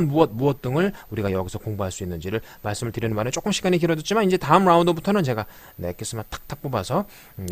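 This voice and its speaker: A male language teacher with a lively, swinging pitch, speaking in a dry, close setting. He explains patiently and slowly repeats phrases to show where the stress falls, dotting his talk with short fillers. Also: dry recording. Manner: frequent filler affirmations. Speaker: English pronunciation teacher. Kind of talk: spoken language lecture.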